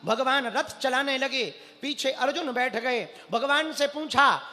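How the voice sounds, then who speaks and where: A man's voice: very high-pitched, measured pace, pushed and bright. A man preaching a devotional sermon, telling a sacred story and voicing its characters, at times chanting Sanskrit verses. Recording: large hall with long reverb, faint music.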